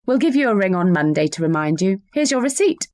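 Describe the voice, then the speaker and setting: A woman's voice: mid-range voice, sing-song, darkish tone, no room sound. Brief: polite service clerk, woman, dry studio read. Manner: polite, measured, repeats details back. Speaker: shop clerk in a scripted dialogue. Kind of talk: scripted listening-exercise dialogue.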